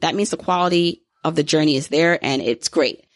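In a dry, close recording with no echo and a quiet background, a woman speaks with lively intonation at a fairly low pitch. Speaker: personal finance podcast host. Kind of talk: casual solo monologue. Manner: unpolished, off-the-cuff.

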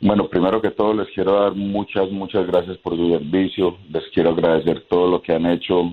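A man talks at a fairly quick pace with hardly any pauses. His loudness stays very even and his intonation fairly even. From Latin America, immigrated to US. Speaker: war veteran. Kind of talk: interview. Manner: halting.

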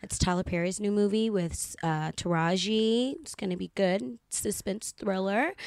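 A woman with an American accent, medium pitch and a bubbly tone, at a fairly slow pace with ordinary pitch variation, in a dry, close sound with no echo on a very clean recording with a silent background. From Baltimore, US. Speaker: actress and comedian. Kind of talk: casual chat.

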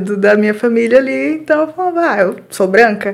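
A woman speaks with a fairly high pitch. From Brazil. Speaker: design studio owner and entrepreneur. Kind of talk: podcast interview. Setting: studio.

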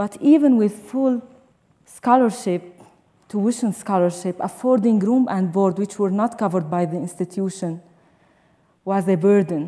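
A medium-pitched woman with an Arabic accent, fairly slow and with long, frequent pauses, her pitch varying in an ordinary way. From Syria. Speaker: violinist and refugee. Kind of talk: prepared speech. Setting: stage with audience.

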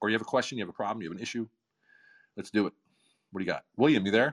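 A man speaks at a very fast pace in a medium pitch, his tone animated. The sound is dry and close, with no echo. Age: 50s. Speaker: motivational speaker and coach. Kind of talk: live audio room talk and Q&A. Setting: online audio room.

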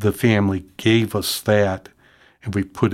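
A man with a Chicago accent speaks at a very slow pace in a fairly low pitch. His intonation is monotone and flat, and the recording is very clean with a silent background. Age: 70s. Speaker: fire department chaplain and priest. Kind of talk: casual interview. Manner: halting.

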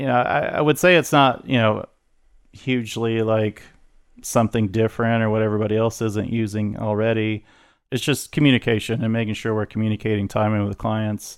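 At a fairly quick pace, a man speaks in an unremarkable speaking voice with a medium pitch and fairly even intonation. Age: 40s. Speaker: accounting firm owner. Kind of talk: interview.

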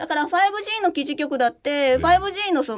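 Her voice is high for a woman, and her intonation is lively. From Osaka, Japan. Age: 40s. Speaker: economic commentator. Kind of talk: radio interview. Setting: studio.

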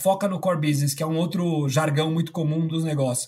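A man talks at a fairly quick pace. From Brazil. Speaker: e-commerce company CEO. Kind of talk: interview conversation.

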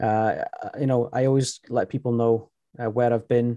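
The voice carries a North Welsh accent and a dark, mellow tone, recorded with a dry, close sound and no echo. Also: man, quiet background. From Wales, Anglesey. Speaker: hiker. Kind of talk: casual chat. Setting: phone call.

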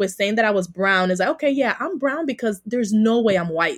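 A woman with a Dominican accent, animated in tone, lively in intonation, at a fairly quick pace. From Dominican Republic. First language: Spanish. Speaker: Spanish teacher. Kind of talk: casual interview. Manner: animated, laughs often.

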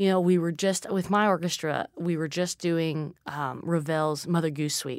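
A woman with an American accent and fairly low pitch talks at a moderate pace with hardly any pauses and fairly even intonation, in a normal speaking voice. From East Texas, small town. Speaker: orchestra conductor. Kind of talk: interview.

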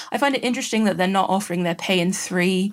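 A woman speaks in a plain, everyday voice at medium pitch, with ordinary pitch variation. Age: 20s. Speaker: fintech journalist. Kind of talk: casual panel discussion.

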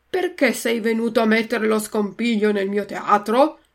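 Using a put-on character voice, a woman speaks at a fairly high pitch. Her pace is moderate.

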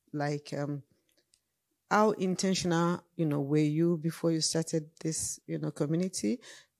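The recording is very clean, with a silent background. A woman talks in a normal speaking voice, fairly low in pitch, with fairly even intonation. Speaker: audience member asking questions. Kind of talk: audience question. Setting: stage with audience.

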